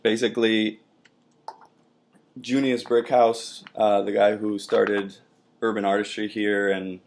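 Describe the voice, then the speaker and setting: A man's voice: on the low side, level tone, takes it slowly, slight background noise. A young man who hosts a casual interview and talks in a laid-back, loose way with many fillers.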